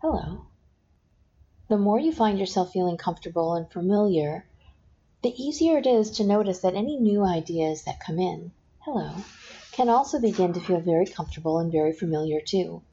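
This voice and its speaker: A woman hypnotist talks the listener down into trance with slow, soft, repeated suggestions. Her voice sits low and mellow. The recording is dull and lo-fi, with a faint hiss underneath. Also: expressive. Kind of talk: guided hypnosis session. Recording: dull lo-fi sound with faint noise.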